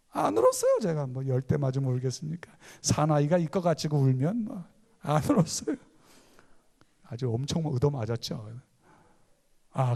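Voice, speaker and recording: Lively gravelly-voiced male pastor preaching. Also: fairly high pitch. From Gangwon Province, South Korea. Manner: animated humorous storytelling. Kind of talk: sermon.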